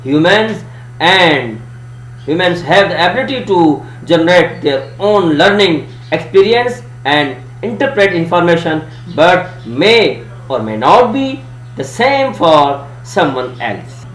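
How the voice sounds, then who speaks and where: A man's voice: on the high side, sing-song, slow pace, fairly bright tone. A man with a South Asian accent and Urdu as his native language gives an educational presentation in an emphatic, didactic manner. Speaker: student presenter giving a lesson. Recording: echoey room, faint hum and hiss.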